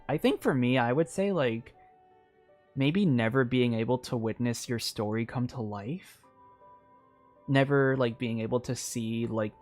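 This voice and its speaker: A man streaming a game and chatting, rambling with lots of filler words. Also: mid-range voice. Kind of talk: live gameplay commentary.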